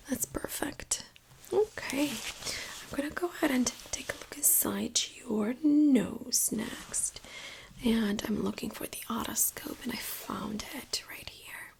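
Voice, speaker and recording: Female ASMR examiner: hushed, breathy whisper with a soft, dark tone and careful, unhurried instructions. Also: a little high, poor audio. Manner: slow, gentle, attentive instructions. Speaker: ASMR performer playing a medical examiner. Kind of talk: ASMR medical exam roleplay.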